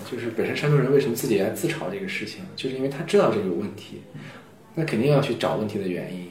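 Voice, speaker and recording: Over noticeable background noise, a man at medium pitch talks at a very fast pace with lively intonation. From Shandong, Weifang. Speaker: freelance writer. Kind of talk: casual chat. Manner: halting, repeats words.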